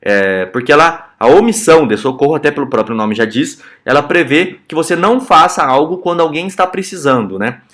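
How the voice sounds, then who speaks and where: A man's voice: fairly high pitch, lively intonation, a little fast, few pauses, fairly bright tone. A young Brazilian man teaching criminal law in a casual, explanatory lecture style, often checking in with his students. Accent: Brazilian Portuguese. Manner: conversational, checks in with "tá?" and "certo?".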